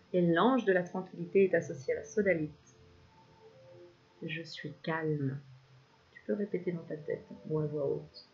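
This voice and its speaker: A woman's voice: lowish voice, warm tone. Chatty woman doing a card reading. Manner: chatty, laughs often, addresses viewer familiarly. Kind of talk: casual card-reading video. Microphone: self-filmed camera. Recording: slightly dull lo-fi sound, faint hiss.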